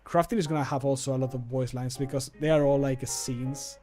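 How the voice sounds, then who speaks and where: A man's voice: medium pitch, fairly even intonation, a little fast, mellow, soft background music. A man in his thirties chatting casually on a livestream while he works, muttering and poking fun at himself. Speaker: streamer and amateur voice actor. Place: small home room, indoors.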